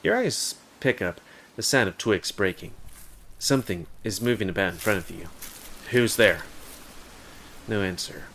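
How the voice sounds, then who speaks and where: A man's voice: on the low side, lively intonation, moderate pace, a bit bright, a little hiss or hum. A man casually reading a game's text aloud and adding joking asides. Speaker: gamer. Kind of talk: let's play, reading game text aloud. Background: game music.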